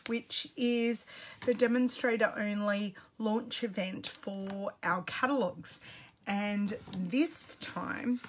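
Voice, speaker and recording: Australian woman, scratchy voice, slow and friendly, greets viewers by name on a casual home stream. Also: fairly high pitch. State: slightly scratchy, strained voice. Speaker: craft product demonstrator. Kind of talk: casual live-stream chat.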